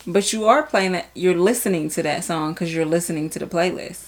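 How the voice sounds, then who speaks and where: Speaking a little fast in a fairly low voice, a young adult woman co-hosts a podcast. The talk is a loose, relaxed conversation peppered with slang.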